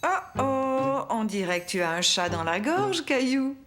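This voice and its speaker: A woman voicing a caring, patient but firm mother in a French children's cartoon, expressive and clearly articulated. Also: sits high, measured pace, faint music behind, exaggerated voice. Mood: caring, coaxing.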